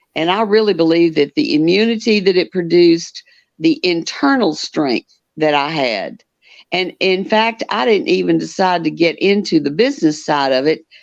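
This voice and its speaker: Using lively intonation, a woman with an East Tennessee accent speaks at a moderate pace and a fairly low pitch. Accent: Southern US (East Tennessee). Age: 60s. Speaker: yoga instructor and network marketer. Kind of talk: podcast interview.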